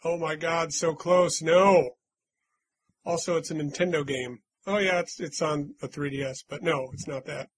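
Male quiz host, playful and teasing, slightly high husky voice, dry close sound. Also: steady tone, moderate pace, no echo. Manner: playful, teasing, hums little doot-doot jingles. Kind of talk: casual podcast quiz reading.

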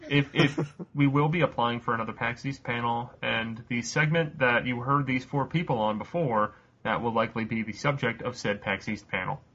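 A man's voice: medium pitch, normal speed, fairly bright tone, muffled recording, slight background noise. A man co-hosting a podcast in casual chat, joking and swearing loosely. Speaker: podcast co-host.

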